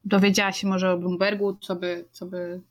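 A woman's voice: lowish voice, flat delivery, moderate pace. Female tabletop player, thoughtful, rambling, casual chat. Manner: thoughtful, rambling, searching for words.

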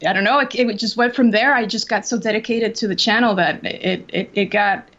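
A young Costa Rican woman who drums on Twitch chats casually as an interview guest over a video call, full of fillers and restarts. Her mid-range voice is steady, fairly quick and a bit bright, though the recording is muffled.

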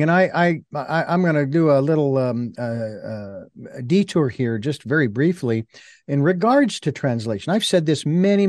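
A man's voice: fairly high pitch, darkish tone, no room sound, studio quality. A man hosting an interview program, asking curious questions with stammering restarts. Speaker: radio show host.

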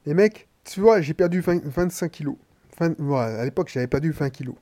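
A man's voice: a little high, brisk, dark tone. A man from Martinique with a head cold, a podcaster and coach talking bluntly and slangily straight to the listener in a casual monologue.

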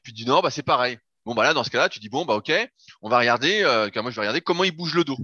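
A man's voice: medium pitch, animated, racing, sharp tone, no room sound. A man who works as a fitness coach, talking casually and explaining his method step by step, with the odd swear word. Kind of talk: casual podcast chat. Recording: dull lo-fi sound.

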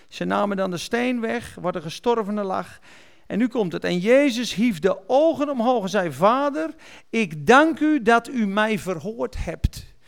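His voice is high-pitched and smooth, touched with vocal fry. In a sermon, the man reads verses from the Bible and unpacks their meaning, catching and fixing small errors along the way.

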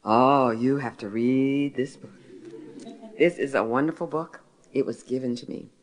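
A woman's voice: unhurried, rough recording. A woman in her sixties from Philadelphia, sharing a faith testimony with an audience, telling stories and asking and answering her own questions. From Philadelphia, United States. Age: 60s. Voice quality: deep voice. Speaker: author and speaker.

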